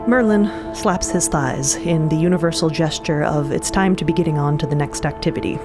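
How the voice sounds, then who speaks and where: A woman's voice: deep voice, brisk, over music. A woman narrating a scripted audio drama in a dramatic style.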